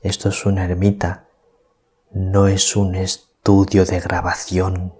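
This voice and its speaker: A priest from giving a calm, deliberate gospel reflection at night, keeping his voice down so as not to wake anyone. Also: deep voice, breathy edge. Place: small hermitage at night.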